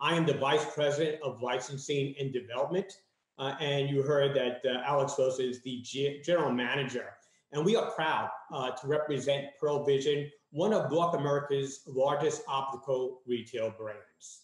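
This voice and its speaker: A man speaks with a New York accent at a fairly high pitch. His pace is moderate and his intonation fairly even. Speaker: franchise development executive. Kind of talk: business presentation.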